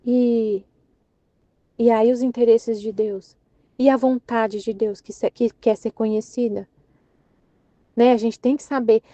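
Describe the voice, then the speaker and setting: A woman's voice: fairly high pitch, steady tone, a little slow, pauses often, dark tone, no room sound. A woman in her thirties with a Brazilian accent, sharing a rambling, earnest spiritual reflection in a casual way. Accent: Brazilian Portuguese. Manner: rambling, many restarts and fillers, earnest. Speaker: Catholic channel member sharing reflection. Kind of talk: casual spoken testimony. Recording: dry, slightly muffled recording.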